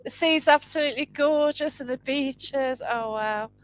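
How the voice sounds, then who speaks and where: Woman host gushing on a live chat, highish voice, eager. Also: no echo, poor audio. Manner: gushing, quick with praise. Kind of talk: casual chat on a live stream.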